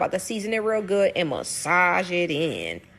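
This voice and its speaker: A woman's medium-pitched voice with ordinary pitch variation, music playing in the background. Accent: New Orleans. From New Orleans. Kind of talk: casual cooking talk to camera. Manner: upbeat, chatty.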